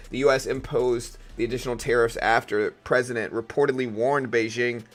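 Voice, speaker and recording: A man with a raspy voice hosting a live trading stream, chatting casually with viewers and reading news aloud in a rambling, think-aloud way. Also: medium pitch. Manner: rambling, thinks aloud and asks chat questions.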